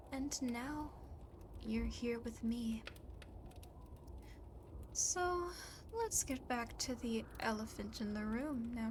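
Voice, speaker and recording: A woman voicing a lonely, possessive female demon in an ASMR roleplay, softly, often whispering, with teasing, smug condescension, on an amateur home mic. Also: on the high side. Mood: possessive menace. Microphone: close home microphone, not binaural. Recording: noisy amateur home microphone recording.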